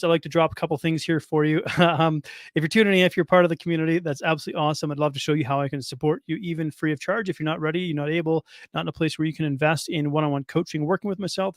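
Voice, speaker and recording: Male podcast coach, hoarse, rapid chatty delivery, slightly high voice, dry close sound. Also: no room sound. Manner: casual, chatty, many fillers and restarts. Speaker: nutrition coach and podcast host. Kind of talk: solo podcast talk.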